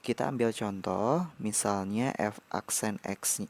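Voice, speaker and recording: A man explaining algebra derivatives as a tutor, in a measured lecture with pauses between short phrases. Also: lowish voice. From Indonesia. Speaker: math tutor.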